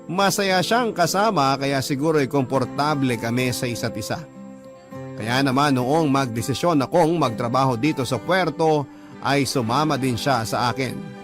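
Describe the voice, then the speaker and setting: A man's voice: medium pitch, normal speed, over music, natural voice. A man playing a gay man in his twenties, telling his life story as a scripted, sentimental first-person letter. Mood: earnest, chatty.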